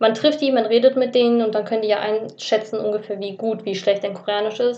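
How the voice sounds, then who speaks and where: Very fast, monotone speech from a woman at a fairly high pitch, intonation flat throughout. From Germany. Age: 20s. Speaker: student and entertainment trainee. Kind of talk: casual interview. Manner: casual, filler-heavy.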